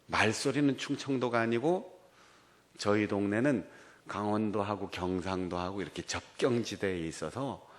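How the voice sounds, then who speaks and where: Lowish-voiced pastor preaching with a Gangwon accent. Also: male voice, moderate pace. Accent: Gangwon Korean. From Korea. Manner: animated storytelling, acting out quoted dialogue. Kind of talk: sermon.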